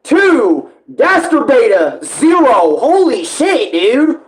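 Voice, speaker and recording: A man doing casual live reaction commentary as a streamer, talking in an animated, slangy way full of swearing. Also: very high-pitched, takes it slowly.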